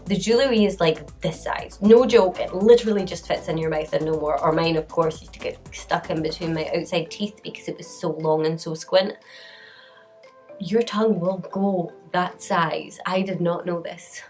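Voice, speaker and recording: A woman in her late twenties tells a storytime vlog in a loose, chatty manner and laughs often between sentences. Her voice sits a little low for a woman. Soft music plays faintly behind her. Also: steady tone, normal speed. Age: late 20s. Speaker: vlogger.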